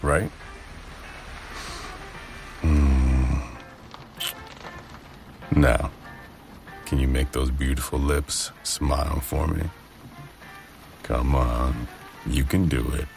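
A man acts out a doting young-love husband in a romantic audio role-play, murmuring tenderly right in your ear. His voice is extremely low and gravelly, and he takes his time, with music underneath. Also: fairly even intonation, very slow, long pauses, full character voice. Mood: soothing, tender. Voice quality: deep, gravelly.

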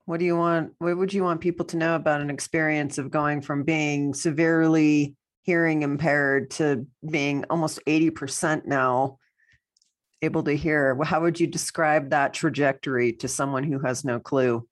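Female podcast host, low-pitched voice, warm and encouraging interviewer. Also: steady tone, moderate pace. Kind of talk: casual podcast conversation.

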